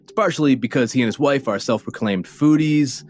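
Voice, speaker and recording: A man's voice: medium pitch, fairly quick, darkish tone. A man hosting and narrating a food documentary in a playful, conversational way. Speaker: host and reporter. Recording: light music underneath.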